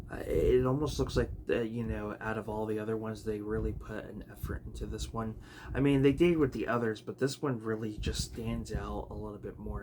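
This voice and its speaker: Raspy-voiced man rambling about his movie collection. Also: on the low side. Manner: rambling, many fillers and restarts. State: raspy, clearing throat. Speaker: home video collector vlogger. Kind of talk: casual unscripted chat. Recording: noticeable background noise.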